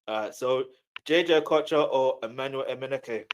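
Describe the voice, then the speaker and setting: A man's voice: mid-range voice, brisk. A man hosting a casual interview, informally circling and rephrasing his questions as he goes. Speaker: interviewer, host.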